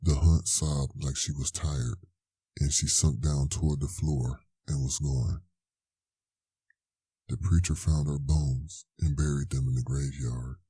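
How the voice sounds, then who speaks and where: Male horror narrator: very deep and dark, slow, suspenseful delivery of a scripted tale. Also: steady tone, breathy edge, no echo. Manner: deliberate, suspenseful. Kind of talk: scripted dramatic narration of a scary story.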